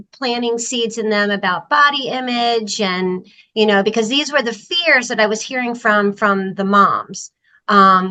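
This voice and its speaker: A woman's voice: mid-range voice, pushed and bright, rough recording. A woman from Maryland, a podcast guest on a video call, talking in an enthusiastic, chatty way with fillers. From Maryland, USA. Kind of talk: casual interview chat. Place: video call from Costa Rica.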